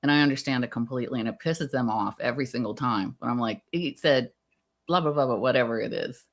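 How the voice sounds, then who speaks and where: A woman chatting casually on a livestream, agreeable and quick to jump in. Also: a bass voice. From Guatemala.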